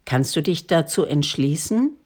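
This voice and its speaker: Woman reading a gentle spiritual teacher, low-pitched and slow. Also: full character voice. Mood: calm. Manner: calm, gentle. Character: calm, kind spiritual leader, grown man.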